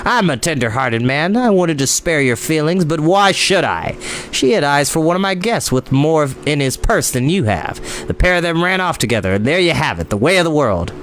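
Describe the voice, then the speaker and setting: A man's voice: fairly high pitch, lively intonation, moderate pace, a bit bright. A man voicing a sly, scornful, blustering innkeeper who sneers and snaps in a storybook reading. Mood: sly, malicious. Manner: sneering, snapping, taunting.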